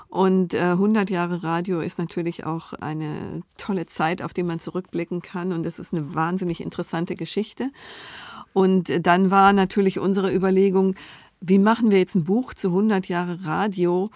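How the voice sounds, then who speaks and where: A woman's voice: fairly low pitch, fairly even intonation, normal speed, a little mellow, no echo. A woman interview guest explaining her book project conversationally, with informal, enthusiastic wording.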